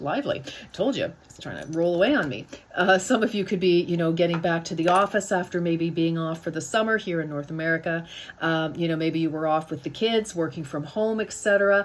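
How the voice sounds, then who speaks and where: At a fairly quick pace, a woman with a fairly low pitch speaks in an animated tone with ordinary pitch variation. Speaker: tarot reader and life coach. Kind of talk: tarot reading.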